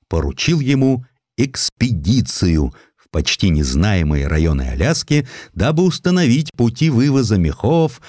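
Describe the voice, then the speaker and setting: A man reading scripted historical sketches as an audiobook narrator, in an expressive storytelling manner. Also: sits low, dry recording, clean studio sound.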